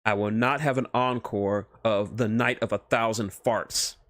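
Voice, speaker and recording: A man voicing a stern, exasperated wife with a flat, scolding manner in a comic story reading. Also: on the low side, a little slow, no room sound, clean studio sound.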